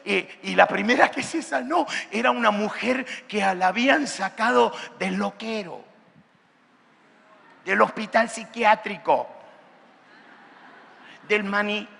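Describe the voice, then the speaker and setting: A male pastor preaching a sermon at a youth conference, with an impassioned delivery that rises to shouts. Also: sits high, unhurried, vocal fry, pauses often, big-room sound. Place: large hall at a youth conference.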